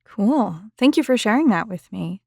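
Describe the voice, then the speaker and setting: A woman's voice: medium pitch, animated, moderate pace, gravelly, a little mellow, no echo, clean studio sound. A woman hosting an interview, putting questions and comments in a conversational way.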